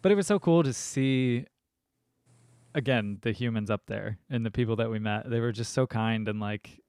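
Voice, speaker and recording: A man's voice: fairly low pitch, normal speed, clear, resonant tone, no echo. Guy podcast host, casual storyteller, lots of "like" and "you know", dead dry sound. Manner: animated storyteller, many fillers. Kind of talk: casual conversation.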